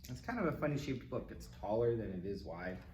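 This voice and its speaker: A man reading a picture book aloud to young children in a gentle, simple manner, with little asides to them as a storytime reader. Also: fairly low pitch, very animated, brisk. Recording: roomy, distant mic with faint noise.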